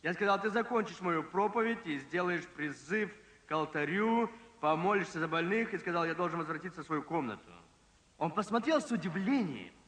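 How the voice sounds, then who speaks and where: A man preaching a sermon, telling a story with emphasis, slowing down and dropping low at dramatic moments. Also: a bit bright. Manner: emphatic, slows and drops pitch for drama. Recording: long reverb from a large hall.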